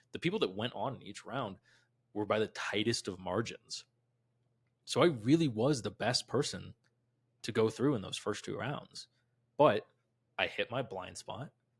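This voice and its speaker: A somewhat breathy man speaks at a moderate pace with ordinary pitch variation, big swings in loudness, and long, frequent pauses. The recording is very clean, with a silent background and a dry, close sound with no echo. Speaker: blacksmith and knife maker. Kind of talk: casual chat.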